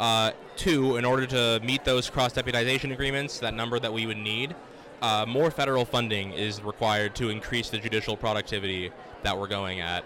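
A man speaks in a normal speaking voice at a fairly quick pace. His pitch varies in an ordinary way. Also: medium pitch for a man. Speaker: student researcher. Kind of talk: interview. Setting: live event with crowd.

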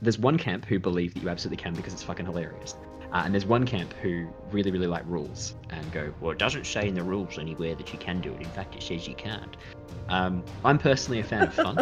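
A man with a strong Australian accent at a very fast pace and very deep, low pitch, with big swings in loudness and music in the background. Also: ordinary pitch variation. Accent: broad Australian. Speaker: Dungeon Master and podcast host.

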